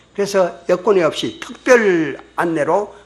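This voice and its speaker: A man's voice with audible room echo. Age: 60s. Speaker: missionary preacher. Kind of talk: sermon.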